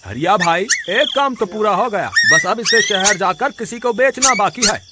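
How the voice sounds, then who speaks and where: Sneaky greedy cartoon thief voiced by a guy, high bouncy voice, noisy background. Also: animated, moderate pace. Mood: sly. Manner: coaxing and boastful. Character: sly village thief, grown man, greedy.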